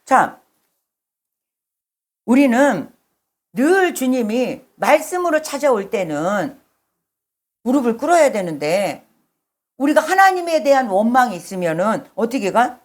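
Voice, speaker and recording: A woman's voice: on the high side, sing-song, a little slow, long pauses. A woman pastor preaching a sermon in a conversational way, often putting questions to the congregation. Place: church service.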